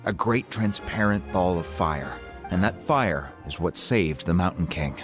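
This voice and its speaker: An actor playing a composed, authoritative tribal chief in a video game, explaining things in a measured, formal, reassuring way. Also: male voice, deep voice, lively intonation, over loud music. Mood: thoughtful. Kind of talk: video game dialogue acting.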